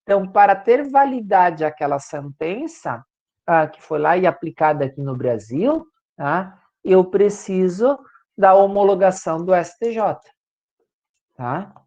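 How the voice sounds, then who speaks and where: A man's voice: sits high, lively intonation, unhurried, darkish tone, muffled recording. A male law professor with a Brazilian Portuguese accent, giving a classroom lecture and checking in with students after nearly every point. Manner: checks in constantly with "tá, gente?" tag questions.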